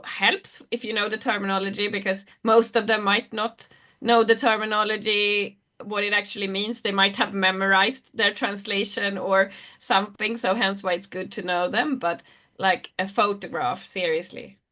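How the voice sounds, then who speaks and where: Give me a woman with a crisp, bright tone answering questions on a live video call panel. She talks casually and loosely, letting sentences drift and trail off as she thinks. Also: medium pitch, steady tone, moderate pace. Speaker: panel speaker, designer.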